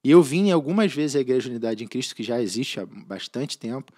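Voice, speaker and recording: A man's voice: mid-range voice, expressive, fairly quick, darkish tone. A man with a Brazilian Portuguese accent, a church member and podcast guest, telling his faith testimony in an earnest, heartfelt way, often restarting his sentences. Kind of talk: personal faith testimony in conversation.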